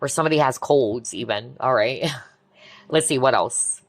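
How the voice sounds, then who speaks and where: A woman giving a collective tarot reading in a soft, reassuring way, often breaking into amazed exclamations. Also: rumbling low, normal speed, no echo. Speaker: tarot reader. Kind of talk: pick-a-card tarot reading.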